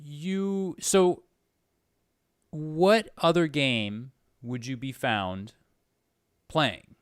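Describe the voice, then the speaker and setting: A man's voice: on the high side, very slow, clear, resonant tone, no echo, clean studio sound. A man interviewing in a casual conversational way, hesitant and often rephrasing his questions as he goes.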